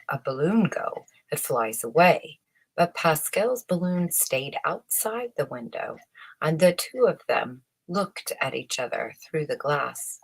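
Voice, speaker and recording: Woman, storybook narrator: low, unhurried, slightly rough voice, expressive phrasing in short stretches. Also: low-quality recording. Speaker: storyteller reading a children's book aloud.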